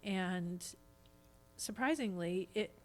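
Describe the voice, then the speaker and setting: Woman in relaxed conversation, medium pitch. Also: slow. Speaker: podcast guest, stage actor. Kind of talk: casual conversational podcast chat.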